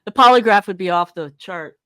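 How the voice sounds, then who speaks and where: A woman giving casual true-crime commentary as a host, thinking out loud with emphatic, conversational phrasing. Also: medium pitch, brisk. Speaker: podcast host analysing recordings.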